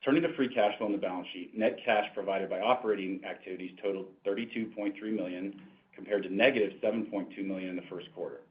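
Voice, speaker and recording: A man's voice: sits low, quick pace, few pauses. A man reading a scripted financial report as a company executive, in a formal corporate manner, on a conference call. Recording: narrow tinny conference phone line.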